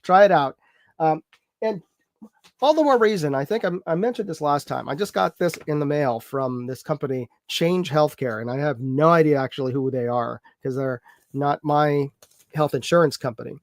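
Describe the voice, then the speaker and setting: A man's voice: on the high side, moderate pace, no room sound. A man hosting a live chat show, talking casually and rambling a bit, congested from a cold. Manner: rambling, filler-heavy, chatty with viewers.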